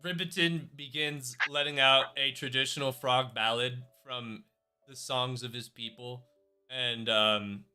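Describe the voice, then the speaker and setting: A man's voice: medium pitch, fairly even intonation, a little slow, sharp tone, smooth, faint music behind. A man narrating as dungeon master of a tabletop game, rambling and hesitant with many fillers.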